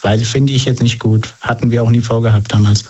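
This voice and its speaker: Flat, mellow-voiced man on a dull line. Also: medium pitch, slightly rough. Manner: halting, matter-of-fact answers with fillers. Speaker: guest. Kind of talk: casual conversational interview. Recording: dull lo-fi sound.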